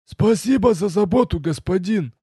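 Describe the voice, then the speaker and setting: A man voicing a loyal red-haired male servant who speaks in loud, drawn-out exclamations. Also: high voice, lively intonation, husky, dry recording, clean studio sound, voice pushed up, heavily acted. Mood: eager.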